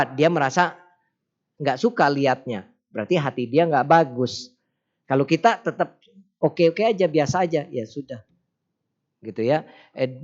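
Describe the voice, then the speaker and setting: A man's voice: medium pitch, lo-fi sound. Chatty middle-aged man giving a folksy sermon. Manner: chatty, folksy, acts out dialogue in quick snippets. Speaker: Buddhist teacher giving a Sunday talk. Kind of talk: casual sermon with anecdotes.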